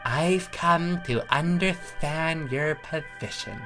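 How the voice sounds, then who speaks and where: A woman's voice: low voice, slow pace, over music, voice pushed up. A woman voicing an earnest, exasperated male insect-like creature who pleads emphatically in a comic story reading. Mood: insistent. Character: earnest male changeling, peace-making, exasperated debater.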